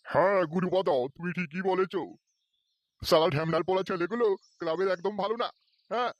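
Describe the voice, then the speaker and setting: A man's voice: high voice, fairly even intonation, fairly quick, no echo, lo-fi sound, lightly acted. A man voicing an irate, blustering village man in a comedy cartoon, with a scolding, agitated manner. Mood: indignant. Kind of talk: Bengali comedy cartoon dubbing.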